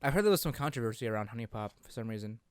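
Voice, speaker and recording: A man's voice: mid-range voice, lively intonation, very fast, smooth, no echo, clean studio sound. A man talking casually as co-host of a gaming discussion, a little hesitant and often repeating himself. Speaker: co-host of a video game discussion show. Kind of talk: casual chat.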